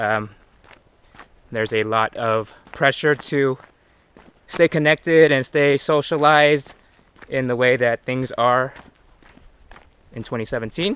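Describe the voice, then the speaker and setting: A man speaks at a very slow pace with long, frequent pauses and ordinary pitch variation, in a dry sound with no echo. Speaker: hiker vlogger. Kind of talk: casual vlog chat. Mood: reflective, grateful. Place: forest. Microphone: phone near.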